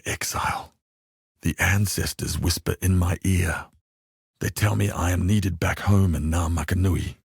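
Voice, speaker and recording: A man playing a proud, honor-bound tribal warrior in a video game, speaking in a solemn, formal, measured way. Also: lowish voice, dry recording, clean studio sound. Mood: grave, resigned. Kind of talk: video game character acting.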